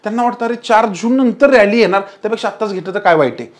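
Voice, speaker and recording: A man's voice: high-pitched, racing. Emphatic man teaching the stock market. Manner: emphatic, repeats "remember", gestures while explaining. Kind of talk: explanatory market lesson. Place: studio in front of a large presentation screen.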